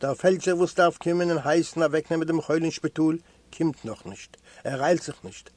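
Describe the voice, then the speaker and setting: A man's voice: on the high side, a little mellow, no room sound. Man reading a first-person tale. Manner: measured first-person storytelling. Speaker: audiobook reader. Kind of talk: literary audiobook narration. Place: library recording room.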